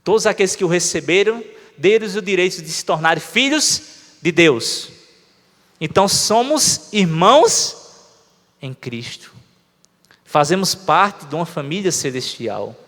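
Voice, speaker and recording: A man's voice: fairly high pitch, a bit bright. A Brazilian man preaching a conversational sermon, often asking the congregation questions. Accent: Brazilian Portuguese. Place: church hall. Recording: long reverb of a church hall.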